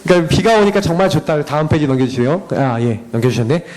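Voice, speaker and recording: A man in his thirties, speaking fast in a fairly high voice over a rough recording, gives a slide presentation as a parent at a church education session. He tells animated stories about his children, acting out their conversations.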